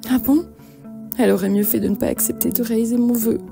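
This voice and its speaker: A naive young mermaid, acted by a woman, earnest and pleading in a cartoon fairy tale. The voice lifts higher in puzzlement, with music behind it. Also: steady tone, fast talker, creaky. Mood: puzzled.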